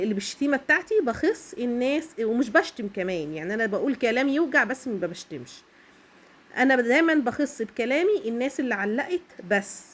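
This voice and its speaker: Fast-talking Egyptian woman with a cold. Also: a little high. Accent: Egyptian Arabic. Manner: emphatic, keeps checking in with "okay?". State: has a cold, coughing. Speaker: vlogger. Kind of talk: casual direct-to-camera monologue.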